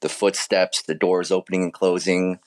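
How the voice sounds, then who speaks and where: A man's voice: sits low, flat delivery, moderate pace. A man speaking casually as an author being interviewed, keen and reflective about his work.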